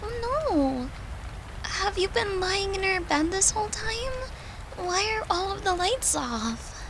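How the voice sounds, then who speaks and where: A woman playing a worried, tender girlfriend in an intimate audio roleplay, speaking softly and coaxingly, with some hesitation. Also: extremely high pitch, lively intonation, slow pace, noisy background, full character voice. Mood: worried, pleading. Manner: soft, coaxing, hesitant, sometimes whispery.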